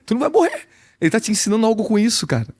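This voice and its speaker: With a high voice and rapid-fire delivery, a man speaks as an apostle in a sermon, conversational and animated, his Brazilian Portuguese accent clear and his rhetorical questions frequent.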